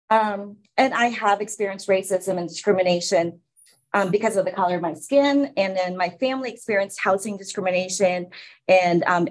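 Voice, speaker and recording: A woman from the Philippines facilitating a public city commission meeting, explaining informally with many fillers. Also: medium pitch.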